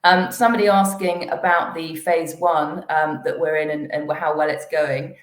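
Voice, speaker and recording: Female exec, deep voice, halting delivery full of ums, slightly hoarse, roomy video-call sound. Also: fairly even intonation. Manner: hesitant, many fillers and restarts. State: losing her voice. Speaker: company executive presenting to investors. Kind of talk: investor presentation and Q&A.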